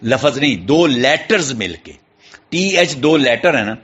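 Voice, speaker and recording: A man's voice: mid-range voice, lively intonation, a bit bright, slightly rough. Urdu-accented male teacher spelling out words. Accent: Pakistani Urdu. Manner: spells words out letter by letter, repeats key points. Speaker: English teacher. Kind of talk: classroom lesson explanation. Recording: dull, muffled lo-fi sound.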